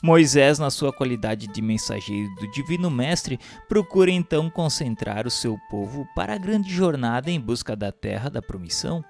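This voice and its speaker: A Brazilian man narrates in a mid-pitched voice, solemn and formal. He delivers the scripted religious text in a declamatory way, like an audiobook reading, with instrumental music behind him. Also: lively intonation, moderate pace, creaky, few pauses, darkish tone.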